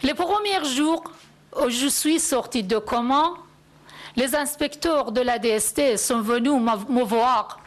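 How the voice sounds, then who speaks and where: A woman gives a solemn testimony. Her voice sits high, and she speaks slowly in deliberate, measured phrases. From Iran. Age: 40s. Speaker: activist giving testimony. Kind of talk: prepared first-person testimony.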